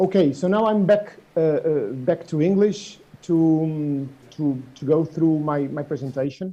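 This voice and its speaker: With a Portuguese accent, a man speaks at a fairly slow pace, using a fairly high pitch and ordinary pitch variation. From Portugal. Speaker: head of a recycling organization. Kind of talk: presentation. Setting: video call webinar. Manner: halting, many repetitions.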